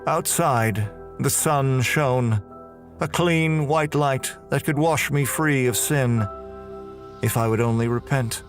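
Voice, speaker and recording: An actor playing an unrepentant condemned murderer who narrates his own execution in a heavy, deliberate horror audio drama style. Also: medium pitch, lightly acted. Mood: grim, resigned. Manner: slow, heavy, deliberate, halting delivery. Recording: music under the voice.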